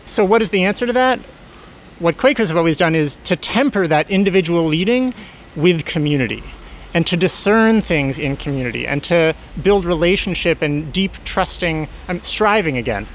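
A man's voice: a little high, animated, moderate pace, slight background noise. A man speaking thoughtfully and earnestly in an interview, often stopping to rephrase. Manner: thoughtful, earnest, self-correcting. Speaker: resident of a Quaker community house. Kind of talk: reflective conversational interview.

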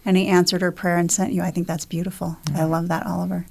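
A woman's voice: lowish voice, flat delivery, fast talker, gravelly. A woman hosting a faith discussion, affirming others and asking questions. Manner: warmly affirming, leads with questions. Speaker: discussion host.

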